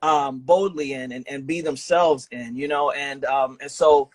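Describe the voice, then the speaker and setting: A man's voice: medium pitch, steady tone, a little slow, no room sound. A man hosting a casual podcast interview, talking in an informal, enthusiastic and affirming way. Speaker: podcast host interviewing a guest.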